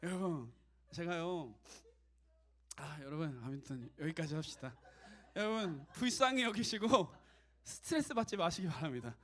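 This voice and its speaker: A man preaching a casual, conversational sermon to young adults as their youth pastor, animated and direct. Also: fairly high pitch, moderate pace.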